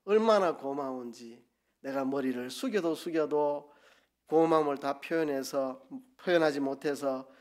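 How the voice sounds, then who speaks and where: A man's voice: on the high side, unhurried. A man with a Gyeongsang accent preaching a sermon as pastor, asking the congregation questions and leading them in call-and-response. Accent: Gyeongsang Korean.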